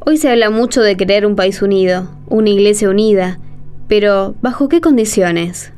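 A woman's voice: medium pitch, normal speed, a little mellow, smooth. An Argentine woman co-presenting a religious radio drama in scripted dialogue. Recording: music bed behind the voice.

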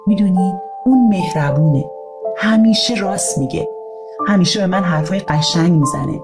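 A woman voicing a calm, kind schoolboy who reasons patiently, in an audio storybook over guitar music. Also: fairly low pitch, natural voice. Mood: gentle.

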